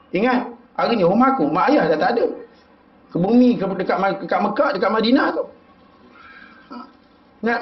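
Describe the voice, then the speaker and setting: A man with a Malaysian accent, a preacher telling a moving story in an animated, emotional sermon. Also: high voice. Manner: animated, voice rising with feeling. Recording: dull lo-fi sound.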